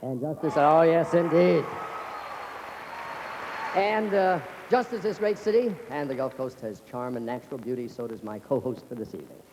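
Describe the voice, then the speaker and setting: A man hosting a live televised pageant from a theater stage, with smooth, upbeat showman patter. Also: fairly high pitch, normal speed, background noise. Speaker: pageant host.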